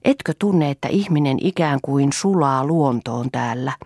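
A woman's voice: very deep voice, animated, a little mellow, no room sound, clean studio sound, full character voice. A woman reading an audiobook, voicing an earnest, thoughtful elder daughter.

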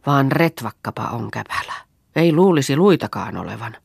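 A woman voicing a bold young farm girl who takes charge, talking in animated exclamations. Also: very deep voice, gravelly, husky, dry recording, studio quality, exaggerated voice. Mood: lively.

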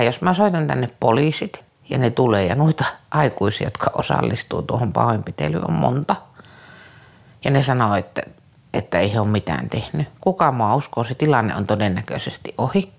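Gravelly-voiced man recounting a hard memory. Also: medium pitch. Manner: halting, with frequent restarts; earnest, troubled storytelling. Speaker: former youth care counselor. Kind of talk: personal recollection in an interview.

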